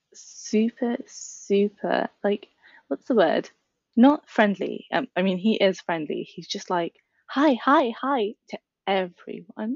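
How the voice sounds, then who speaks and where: Speaking very slowly with a British accent, a woman uses a medium pitch and some vocal fry. Her intonation is lively, and her loudness swings widely. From UK. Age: 20s. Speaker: hamster owner guest. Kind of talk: casual chat.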